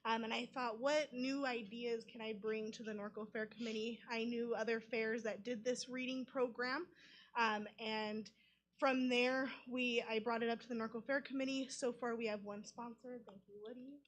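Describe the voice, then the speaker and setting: Young woman presenting, higher-pitched voice. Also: steady tone, normal speed, poor audio. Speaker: committee member presenting. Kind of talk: informal presentation. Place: council meeting room.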